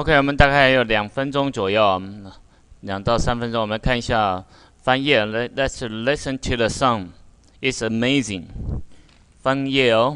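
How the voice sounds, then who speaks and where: With a Chinese accent, the speaker has a bright, sharp tone and ordinary pitch variation. The pace is moderate, broken by long, frequent pauses. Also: man, medium pitch for a man. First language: Mandarin Chinese. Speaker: English teacher at a vocational high school. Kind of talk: morning broadcast English lesson to students. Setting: school PA broadcast.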